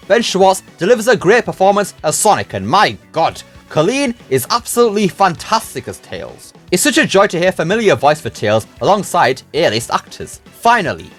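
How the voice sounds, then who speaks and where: A man giving a scripted but conversational film review as a video host, with casual, opinionated phrasing. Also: fairly high pitch.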